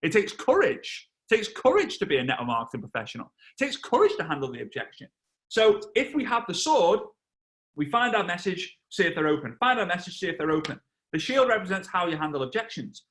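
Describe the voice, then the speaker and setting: Animated, bright-voiced English man telling stories. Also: high-pitched, brisk. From England. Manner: animated storyteller, acts out voices and shouts. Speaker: network marketing trainer. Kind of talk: storytelling training talk on a video call. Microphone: video call.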